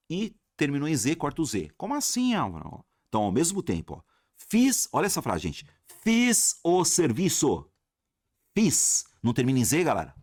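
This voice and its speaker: A man with a Brazilian Portuguese accent teaching a lively exam-prep grammar lesson, talking straight to his viewers and asking himself questions. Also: mid-range voice, no echo, clean studio sound. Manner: animated, addresses viewers as "galera", asks himself questions.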